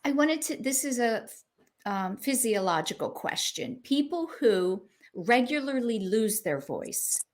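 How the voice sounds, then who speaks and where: A woman hosting a podcast, asking questions in a conversational, halting way. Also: on the high side, very animated. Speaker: podcast host. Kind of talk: interview questions.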